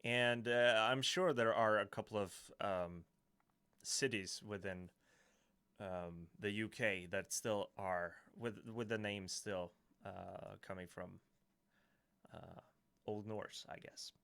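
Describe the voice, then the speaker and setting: A man's voice: on the low side, fairly even intonation, slow pace, vocal fry, a bit bright, smooth. A man from Sweden with a Swedish accent, speaking English as a second language, hosting a casual live-stream Q&A and reading out viewer comments, hesitant and full of restarts. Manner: hesitant, many restarts and fillers, chuckling often.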